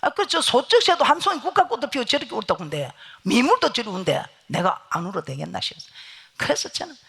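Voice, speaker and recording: A woman preaching a revival sermon in a church with a Gyeongsang Korean accent, telling stories, loud one moment and hushed the next. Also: fairly high pitch, wildly swooping pitch, fast talker, gravelly, husky. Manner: storytelling, swings from loud to hushed. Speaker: guest pastor. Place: church sanctuary.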